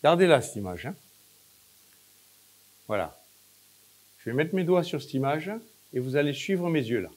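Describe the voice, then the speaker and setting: A man's voice: a little high, big pitch swings, darkish tone. Man guiding a hypnosis session, coaxing and repetitive. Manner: coaxing, repetitive, directive, short phrases with pauses. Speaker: hypnosis practitioner leading a demonstration. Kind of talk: guided hypnosis session, spoken instructions.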